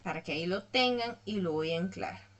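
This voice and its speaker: A woman's voice: fairly low pitch, animated, fairly quick, dull audio. A woman teaching an online English lesson, explaining patiently step by step and checking in often with her students.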